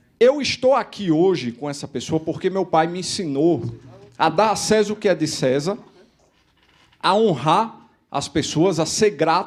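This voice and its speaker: A man with a northeastern Brazilian accent, high-pitched, animated and lively in intonation, at a fairly slow pace, on a very clean recording with a silent background. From Brazilian Northeast, Alagoas (Maceió). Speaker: sport shooting federation president and lawyer. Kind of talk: speech at public hearing. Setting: legislative assembly hearing with audience.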